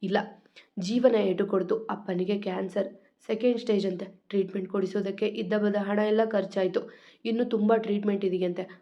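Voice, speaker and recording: A woman voicing a proud, self-respecting young woman who speaks softly and with emotion. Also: mid-range voice, fairly even intonation, a little fast, gravelly, lo-fi sound, close to an everyday voice. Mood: tearful. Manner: soft, emotional.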